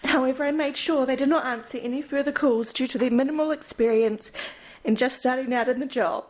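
A woman reading out a formal witness statement in careful, measured tones. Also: sits high. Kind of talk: read-out statement.

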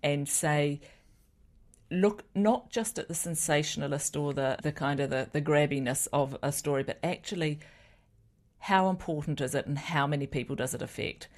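A woman news editor speaking in an interview with a very low voice. She makes her points earnestly and with emphasis. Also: moderate pace, a little mellow. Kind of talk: interview answers.

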